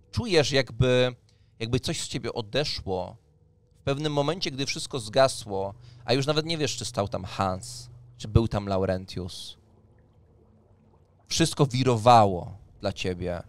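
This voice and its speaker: A man in his thirties acting as game master, explaining rules and narrating a tabletop role-playing scene. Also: mid-range voice. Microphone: studio microphone on a boom arm. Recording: clear background noise.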